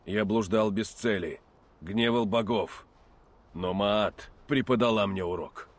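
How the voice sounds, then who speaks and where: A grave, husky assassin mentor. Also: male voice, fairly low pitch, takes it slowly. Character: grim male assassin mentor, weathered, solemn. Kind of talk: Russian game dub acting.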